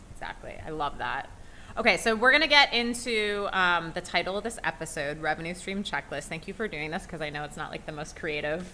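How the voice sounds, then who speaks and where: With an American accent, a woman speaks at a fairly quick pace with lively intonation. Hers is an ordinary speaking voice, fairly low in pitch. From Wisconsin. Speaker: podcast host. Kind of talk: interview. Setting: live podcast taping with audience.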